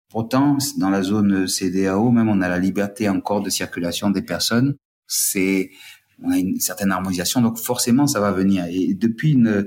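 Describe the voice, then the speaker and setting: A man talks in a fairly low pitch with very even loudness. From Côte d'Ivoire. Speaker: CEO of a financial group. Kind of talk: interview. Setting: recording in Abidjan. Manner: halting, with frequent repetitions.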